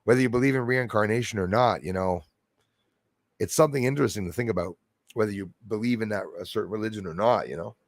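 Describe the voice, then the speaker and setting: A man's voice: on the low side, fast, no room sound, studio quality. A man hosting a livestream, talking casually to his chat in a meandering way, repeating himself and chuckling between thoughts. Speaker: livestream host reading chat. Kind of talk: rambling casual livestream talk.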